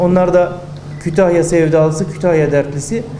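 A man talks at a high pitch with fairly even intonation. Light background noise and audible room echo are present. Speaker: provincial party chairman. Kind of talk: formal speech. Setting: conference hall with audience. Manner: formal. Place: meeting room. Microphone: handheld.

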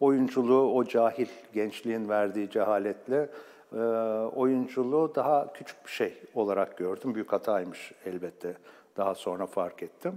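With a normal speaking voice, a man talks at a fairly slow pace at a medium pitch with ordinary pitch variation against a quiet background. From Turkey (Ankara). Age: 50s. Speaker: theatre director and actor; actor. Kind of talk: TV interview. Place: studio. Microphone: lapel.

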